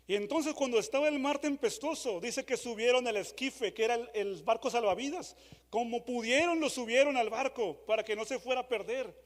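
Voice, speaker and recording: Dramatic high-voiced pastor in echoing hall. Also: male voice, fairly quick. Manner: dramatic, swings from loud shouted re-enactments to hushed questions. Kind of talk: sermon. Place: church hall. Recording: long church hall reverb.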